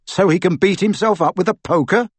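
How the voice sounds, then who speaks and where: A man's voice: a little high, sing-song, moderate pace, breathy edge, dry recording, pitched above the performer's own voice. A man voicing a determined teenage boy wizard who speaks fiercely and urgently, giving orders in an audiobook. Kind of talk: audiobook character voice.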